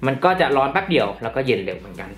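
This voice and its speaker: A man reviewing tech gear, giving casual, excitable gameplay commentary to viewers in an air-conditioned room. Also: medium pitch, rapid-fire. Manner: excitable, exclaiming often while playing. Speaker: tech reviewer testing phone games. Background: game music.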